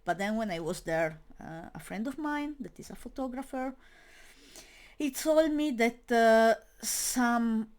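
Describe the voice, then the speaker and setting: A young woman speaking English as a second language in a casual monologue, hesitant and full of fillers and restarts. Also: mid-range voice. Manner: non-native English speaker. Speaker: metal media creator.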